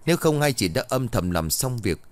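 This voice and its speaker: A man's voice: medium pitch, very animated, normal speed, dry recording, lightly acted. A man voicing an indignant middle-aged younger son in a ghost story, lecturing and reproachful.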